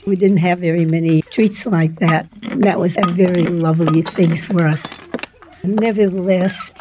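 An older woman telling the story of her childhood in an oral history interview, slow and plain, with soft laughs. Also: fairly low pitch, steady tone, background noise.

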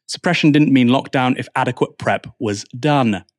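A man's voice: mid-range voice, normal speed, dry recording. A male news host delivers scripted presentation in a mid-range voice. The sound is very dry, with no room around it.

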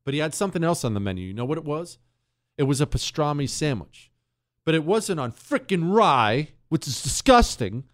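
A man hosts a talk radio show from a studio mic. His pitch swings widely as he rants in mock outrage. He teases a co-host in a blustering, playful way. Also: moderate pace. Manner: animated, ranting, mock-outraged, teasing a co-host. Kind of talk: opinionated talk radio monologue.

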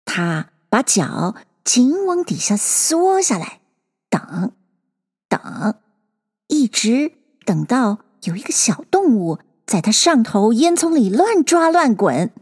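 A woman narrating a children's classic in a measured storytelling manner, slowing for key moments. Her voice is high and very animated in pitch. A long reverb hangs in the room. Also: slightly rough. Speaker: reader. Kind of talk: reading a translated children's classic aloud.

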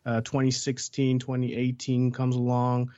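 A man from Belgium, a football journalist guest, answering in a halting way with many fillers and restarts. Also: medium pitch, monotone, mellow, dry recording, lo-fi sound. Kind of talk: casual podcast interview.

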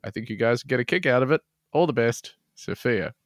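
A man with an animated, mid-pitched voice cohosts a comedy podcast. He reads letters aloud and breaks into wry jokes and laughter. The sound is dry and close to the mic. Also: brisk, no room sound. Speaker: podcast co-host. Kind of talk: casual comedy chat, reading listener mail.

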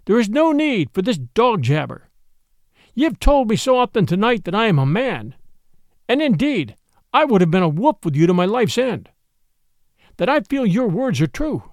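Man voicing a defiant boy raised by wolves, angry, proud, gravelly edge. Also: sits high, big pitch swings, moderate pace, no echo, studio quality, pitched above the performer's own voice. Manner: angry, proud, old-fashioned speech. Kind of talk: storybook reading.

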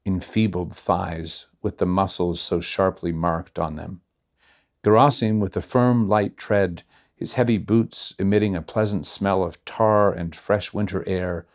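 A man reading a classic novella aloud in measured, unhurried narration. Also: low-pitched, a little mellow. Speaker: reader. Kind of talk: audiobook narration.

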